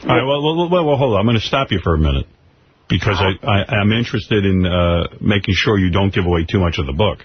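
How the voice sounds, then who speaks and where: A man's voice: on the low side, animated, fast talker. A man hosting a radio show, bantering with callers and probing his guest with questions, often cutting in. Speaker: radio host. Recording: dull lo-fi radio recording with hiss.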